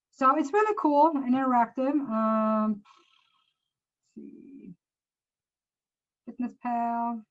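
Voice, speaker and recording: A woman's voice: medium pitch, darkish tone, highs cut off. Swedish-accented woman giving a chatty demo. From Sweden. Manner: chatty, loose, frequent self-corrections. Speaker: presenter. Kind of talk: casual screen-share app demo.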